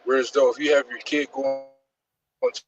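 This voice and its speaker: A man from the United States answering interview questions over a remote call line, talking in a halting, think-aloud way while his audio glitches and breaks up. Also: medium pitch, little pitch movement, over music. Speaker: guest calling in. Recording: dull lo-fi call line with dropouts.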